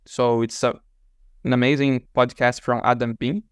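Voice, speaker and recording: A man's voice: mid-range voice, level tone, normal speed, clean tone, no room sound, studio quality. A man being interviewed, telling his story unhurriedly with many fillers over a remote call. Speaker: interview guest, author. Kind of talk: casual interview chat.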